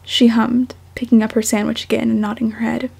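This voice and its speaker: A young woman with a fairly high, husky voice and a slightly mellow tone. She speaks softly and takes her time, like someone reading her own story to listeners. There is some creak at the edges of her words. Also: flat delivery, brisk. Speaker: fan fiction author and podfic reader. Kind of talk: audiobook-style story narration, then casual self-conscious chat.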